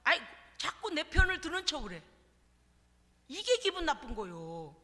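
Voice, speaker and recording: Woman pastor, middle-aged, emphatic call-and-response preacher, high lively voice, long church reverb. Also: normal speed. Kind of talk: sermon. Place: church sanctuary.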